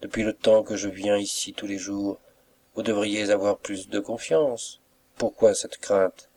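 A man voicing a gentle, mysterious suitor. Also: on the low side, fairly even intonation, unhurried. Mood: tender. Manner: gentle, respectful, softly reproachful. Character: mysterious, tender young male suitor. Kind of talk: audiobook character reading.

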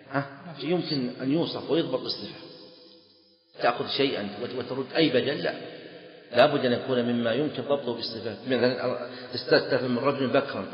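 A man teaching a lesson on a legal text, explaining by repeating key phrases and checking whether the students understand. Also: mid-range voice. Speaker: sheikh teaching fiqh. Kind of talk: classroom lecture on a legal text. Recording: echoey lecture hall, dull lo-fi sound.

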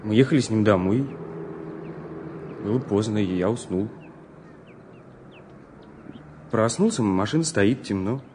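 An actor playing an earnest, troubled young student who speaks haltingly and seriously in an audio drama. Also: male voice, on the low side, expressive, darkish tone, slight background noise, lightly acted. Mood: troubled recollection. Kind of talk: Russian audio drama acting.

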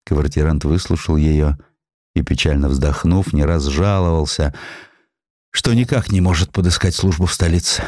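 A man's voice: rumbling low, moderate pace, a little mellow, dry recording, studio quality. A man narrating a dramatised historical story as a storyteller.

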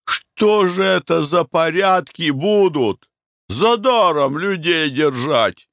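A man reading aloud, voicing a crowd of angry male barge workers who shout their demands loudly, indignantly and in drawn-out calls. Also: sits high, smooth, no room sound, studio quality, pitched above the performer's own voice, full character voice.

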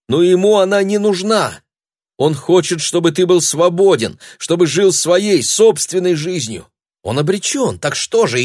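A desperate young girl begs in a high, straining voice, as a man puts her on for an audiobook. Her words rise sharply and tumble out with tearful urgency. The sound is close and completely dry. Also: darkish tone, no room sound. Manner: high, breathless, tearful pleading.

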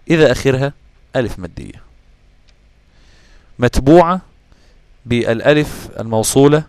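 A man with an Egyptian Arabic accent teaching Quran recitation rules, checking whether listeners follow with quick questions and answering his own questions. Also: medium pitch, no echo. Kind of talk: explaining tajweed rules to students.

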